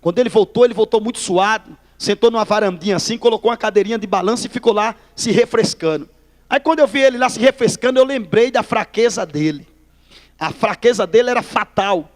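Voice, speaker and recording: A Northeastern Brazilian man gives his testimony from the pulpit, folksy and chatty, often calling the congregation brother. His voice sits very high for a man. Long reverb from a large church hall trails behind his words. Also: quick pace. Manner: folksy storytelling, addresses listeners as brother. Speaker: pastor. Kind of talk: testimony sermon.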